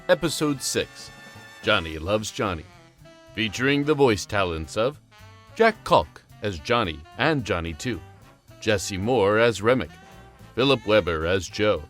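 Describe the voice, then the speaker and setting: A male announcer reads scripted show credits. His voice sits a little low, and music plays lightly behind him. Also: a bit bright.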